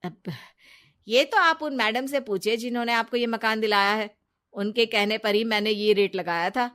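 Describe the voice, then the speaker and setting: A woman's voice: on the high side, normal speed, a bit bright, clean tone, close to an everyday voice. Cartoon dealer, evasive and defensive, a woman doing him. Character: male property dealer, evasive.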